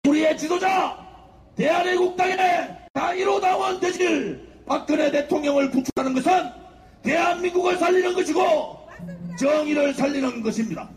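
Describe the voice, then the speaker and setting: A man giving a fiery shouted speech at an outdoor political rally, chanting slogans to the crowd. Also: extremely high pitch, moderate pace, creaky. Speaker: rally speaker. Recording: echoey outdoor PA with crowd noise.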